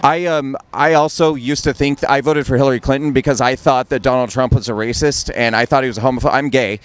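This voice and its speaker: A man's voice: mid-range voice, steady tone, fast, clear, resonant tone. A man doing a conversational street interview on a city sidewalk, speaking earnestly and persuasively. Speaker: street interviewer, campaign activist. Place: outdoors on a busy city sidewalk. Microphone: handheld interview mic. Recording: noisy busy city street with traffic.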